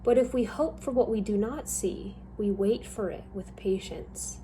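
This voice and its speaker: A young woman calmly reading a Bible passage aloud, in a careful, even manner. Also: mid-range voice, unhurried, slight background noise, poor audio. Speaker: scripture reader.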